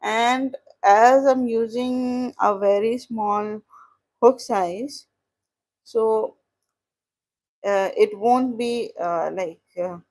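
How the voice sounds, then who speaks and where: A woman with a South Asian accent giving a casual crochet tutorial, explaining in a halting way and repeating herself as she chats to viewers. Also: on the high side, darkish tone. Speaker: crochet instructor and live streamer.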